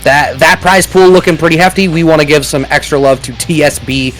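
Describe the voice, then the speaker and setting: A man commentating a fighting game tournament, excitable and animated, breaking into shouts at big plays. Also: fairly high pitch, fairly quick, a little hiss or hum, rough recording. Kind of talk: esports play-by-play commentary. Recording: music playing underneath.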